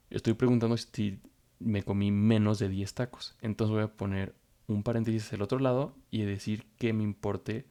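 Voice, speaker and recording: Male coding instructor, lowish mellow voice, patient step-by-step delivery. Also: creaky. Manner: explains step by step while thinking aloud. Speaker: programming instructor. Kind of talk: screen-recorded coding tutorial.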